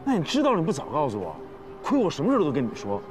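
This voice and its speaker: A gossipy young man who rattles off his lines at a racing pace, his pitch leaping all over. Loud drama music plays beneath him. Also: huge pitch swings. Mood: indignant. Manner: fast, exclamatory, teasing. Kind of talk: TV drama acting.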